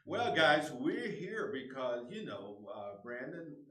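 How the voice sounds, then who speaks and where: A man's voice: medium pitch, expressive, slow, a bit bright, roomy sound, slight background noise. A man co-hosting a casual panel chat, joking and teasing his guests. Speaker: co-host.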